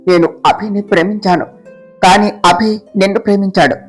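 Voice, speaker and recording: A woman's voice: mid-range voice, steady tone, a little fast, husky, soft background music, natural voice. A woman voicing a frightened, scheming young woman, speaking in a raised, panicked, pleading voice.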